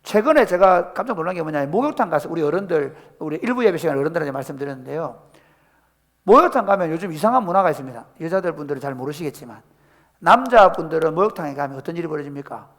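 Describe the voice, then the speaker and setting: Middle-aged male pastor, high animated delivery, long church reverb. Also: racing. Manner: animated preaching, acts out quoted voices, asks the congregation questions. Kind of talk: sermon. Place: church sanctuary.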